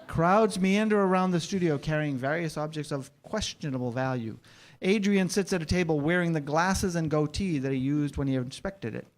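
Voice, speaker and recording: A man's voice: on the high side, normal speed. Male narrator, scripted stage directions, staged reading, screenplay narration.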